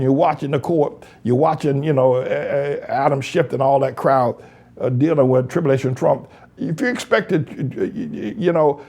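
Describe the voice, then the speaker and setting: A pastor hosting a news blog, giving fiery, mocking, rambling biblical commentary on politics. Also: male voice, on the high side, a little mellow, breathy edge.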